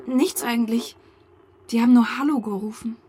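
A woman's voice: fairly high pitch, fairly even intonation, normal speed, a little mellow, breathy edge. An actress playing a distraught but defiant young woman in a German radio crime drama. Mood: subdued. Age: young adult.

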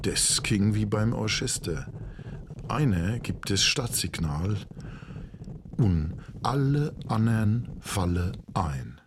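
An animated, indignant Hessian storyteller. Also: male voice, on the low side, slow, background noise. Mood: indignant, excited. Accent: Hessian German. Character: agitated local concertgoer, gruffly recounting a rock-show brawl. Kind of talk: radio play monologue.

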